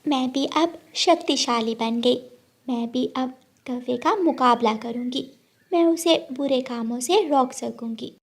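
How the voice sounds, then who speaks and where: A woman voicing a small, kind female sparrow who feels weak, speaking softly and plaintively. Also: measured pace. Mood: hopeful. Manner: soft, plaintive, high and eager.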